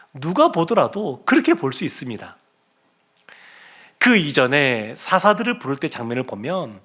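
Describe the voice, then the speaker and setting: A man preaches a Sunday sermon in a church, his voice rising and falling widely. He sits a little above the usual male pitch. Now and then he breaks into the voices of the people in his passage. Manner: animated preaching, acting out quoted speech. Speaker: pastor. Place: church sanctuary.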